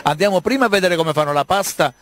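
A man reports live. His voice sits a little high for a man. He chats and keeps asking questions as he moves along interviewing people. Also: fast, a bit bright. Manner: chatty, inquisitive. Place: outdoors at a busy village street festival.

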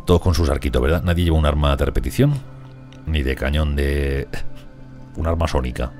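Man, Spain Spanish accent, let's play commentary, very deep voice, quick talker. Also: steady tone, a little mellow, soft background music. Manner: rambling, chatty, talks to colonists. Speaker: gaming streamer.

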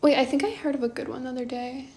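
A woman in her twenties chatting casually on a livestream from her bedroom, soft and drowsy, often trailing off. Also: high voice, steady tone, rapid-fire, slight background noise. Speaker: livestream host. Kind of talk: casual chat answering viewer comments. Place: small bedroom indoors. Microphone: phone held close, front camera.

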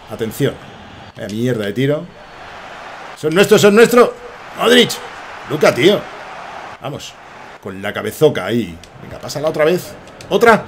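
A young man from Spain with a Spanish accent, giving rambling, excitable commentary while playing a soccer game and swearing often. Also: mid-range voice, slight background noise. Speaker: gaming streamer.

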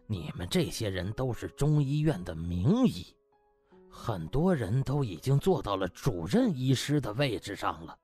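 A man voicing a stern, disappointed old hospital director who scolds with contempt and drawn-out rhetorical questions in an audiobook. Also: mid-range voice, slightly rough. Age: older.

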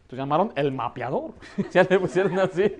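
A man in his thirties who grew up in the United States, preaching a lively sermon from a pulpit with a Mexican Spanish accent. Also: high-pitched, brisk. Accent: Mexican Spanish, learned in the United States. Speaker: pastor. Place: church hall, plain indoor room.

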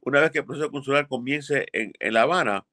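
A man's voice: mid-range voice, fast, sharp tone, dry recording. Older guy lawyer on a webcam call, blunt, hammers his point home, dry sound. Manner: emphatic, blunt, repeats for stress. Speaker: immigration lawyer. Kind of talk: expert answering viewer questions. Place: home office with framed pictures.

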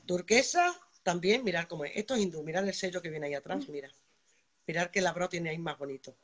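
A woman's voice: on the low side, lively intonation, fast. A woman from Spain selling jewelry on a live stream, chatting to viewers, greeting them by name and checking in with a constant "vale". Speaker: online jewelry seller. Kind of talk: live-stream sales pitch.

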